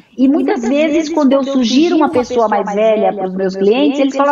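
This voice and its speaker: A woman's high-pitched voice comes through noticeable background noise. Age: 60s. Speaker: headhunter and speaker. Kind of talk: podcast interview.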